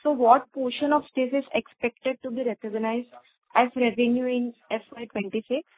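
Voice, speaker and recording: A woman's voice: a little high, steady tone, normal speed, husky, no room sound. A woman politely asking questions as an analyst on a formal earnings call. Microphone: conference phone call. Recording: narrow tinny phone line.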